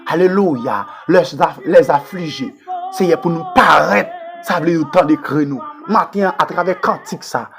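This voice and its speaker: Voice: medium pitch, measured pace, creaky, fairly bright tone. A person with a Haitian accent leading a fervent, pleading Christian prayer, repeating phrases in an extempore way. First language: Haitian Creole. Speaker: prayer leader. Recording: music playing under the voice. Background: music.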